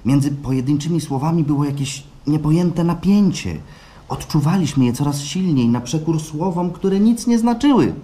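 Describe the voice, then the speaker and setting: An actor playing a disillusioned, reluctant client in a radio play, hesitant and doubtful. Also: male voice, on the high side, lively intonation, moderate pace, mellow, natural voice. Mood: bitter, disappointed. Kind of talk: radio play acting before a live audience. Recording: live stage recording with background noise.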